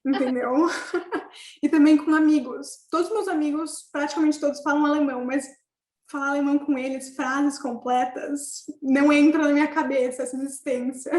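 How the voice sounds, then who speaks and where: A woman's voice: high voice, steady tone, normal speed, darkish tone, reverberant. A young woman student guest on a casual panel chat, speaking hesitantly with little laughs. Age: young adult. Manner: hesitant, giggly.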